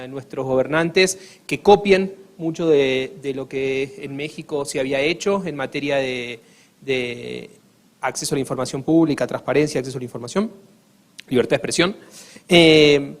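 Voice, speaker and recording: A man from Argentina with an Argentine accent, speaking earnestly on a panel, with many hesitations and restarts. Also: fairly high pitch. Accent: Argentine Spanish. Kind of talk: formal panel talk.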